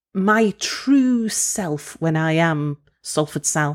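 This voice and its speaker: A woman with a British accent speaks with lively intonation. The recording is very clean, with a silent background and a dry, close sound with no echo. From Britain. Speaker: Twitch streamer. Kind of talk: interview.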